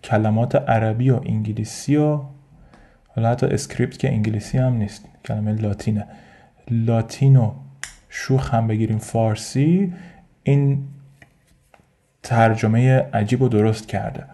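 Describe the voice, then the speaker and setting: A man with a Persian accent hosts a casual solo podcast, thinking aloud and rambling with frequent fillers and restarts. His lowish, dark voice is steady, with long pauses.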